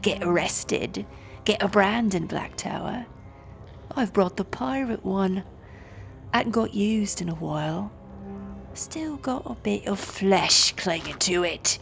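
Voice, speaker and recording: A woman's voice: mid-range voice, lively intonation, slow pace, vocal fry, faint music behind. A woman playing a gleefully sadistic prison torturer in an audio roleplay, taunting and threatening. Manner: taunting, threatening, drops into whispers.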